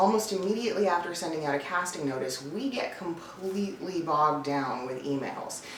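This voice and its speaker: Moderately paced speech from a woman amid noticeable background noise. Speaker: voice actor and voice over coach. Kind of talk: casual talk to camera.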